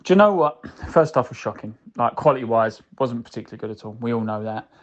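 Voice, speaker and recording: A man's voice: mid-range voice, expressive, fast. A man leaving a casual, rambling voice message of football reaction, addressing the listener directly. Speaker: fan calling in with a voicemail. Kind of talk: casual match reaction monologue. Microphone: recorded voicemail message. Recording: dull lo-fi voice message.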